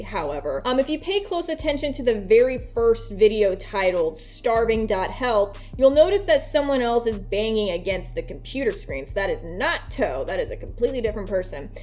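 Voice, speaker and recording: A woman's voice: a little high, darkish tone. A woman hosting a video essay, giving casual, conversational commentary with informal, sweary phrasing. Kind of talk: casual commentary and theory breakdown.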